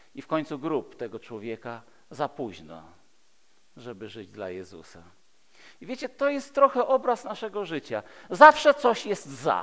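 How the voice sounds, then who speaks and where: A man's voice with long, frequent pauses and big swings in loudness. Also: fairly slow pace. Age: 50s. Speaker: bishop, preacher. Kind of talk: sermon. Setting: church. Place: church. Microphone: headset.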